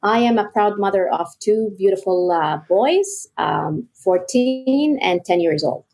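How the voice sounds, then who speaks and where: A woman in her forties from Egypt, raised in Kuwait, speaking as an interview guest in a measured, thoughtful way. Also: medium pitch, expressive, a little mellow. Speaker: guest, real estate broker. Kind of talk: interview conversation.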